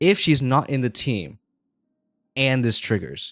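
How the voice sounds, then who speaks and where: Recorded very cleanly against a silent background, a man talks at a fairly slow pace with a dry, close sound and no echo. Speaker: vtuber streamer. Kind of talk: live game stream commentary. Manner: stammering; animated.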